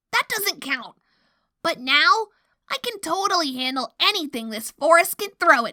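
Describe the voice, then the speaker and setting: A woman uses a put-on character voice at an extremely high pitch with very wide pitch swings. The sound is dry and close, with no echo. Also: moderate pace. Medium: audio drama. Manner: brash, sporty.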